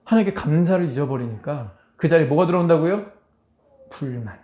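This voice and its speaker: A man's voice: on the high side, lively intonation, moderate pace, darkish tone. A male pastor preaching a sermon, emphatic, firing rhetorical questions at the congregation. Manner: acts out quoted voices in dramatic asides.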